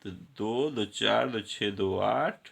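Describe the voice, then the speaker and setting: A man's voice: on the low side, very slow, creaky, fairly bright tone, breathy edge. A male teacher giving a grammar lesson, counting syllables aloud and speaking directly to his students.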